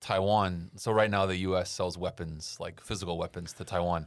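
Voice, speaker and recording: In an American accent, a man speaks with a very deep, low pitch and fairly even intonation. His pace is moderate, and the recording is very clean with a silent background. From United States. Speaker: podcast host. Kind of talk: interview.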